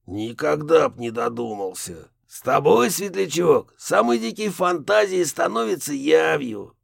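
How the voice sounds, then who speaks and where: A gruff male ghost witch-hunter, as an audiobook reader puts him on, sounds harsh, gravelly and husky. He barks and mocks, with his pitch leaping widely. The voice sits slightly higher than the reader's own. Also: very animated, a little slow, dry recording, clean studio sound, exaggerated voice. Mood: mocking. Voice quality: hoarse, gravelly. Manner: barking, mocking. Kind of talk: audiobook character voice.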